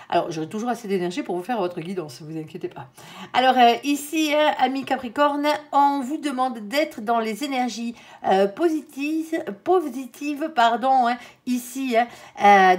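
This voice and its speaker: A tired woman giving a casual tarot reading, chatty with many fillers and some stumbling. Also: a little high. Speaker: tarot reader.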